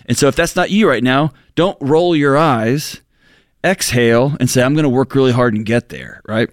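Co-hosting a casual podcast-style talk show, a man in his forties speaks earnestly and reflectively, breaking into emphatic bursts where his pitch suddenly jumps. He keeps a moderate pace, and the clean studio audio has no room sound.

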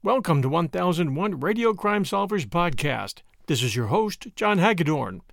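A man's voice: high voice, very animated, moderate pace, creaky, a bit bright, faint music behind. A man reading a scripted podcast introduction as the host.

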